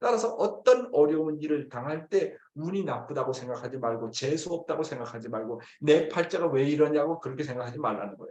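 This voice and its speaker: In a plain, everyday voice, a man talks at a fairly quick pace with fairly high pitch and lively intonation. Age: 60s. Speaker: church minister. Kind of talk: sermon.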